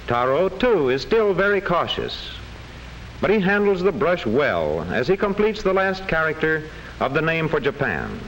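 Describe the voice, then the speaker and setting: Animated American vintage classroom film narrator, male. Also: on the high side, moderate pace. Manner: formal, precise, storytelling delivery. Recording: faintly noisy old film soundtrack.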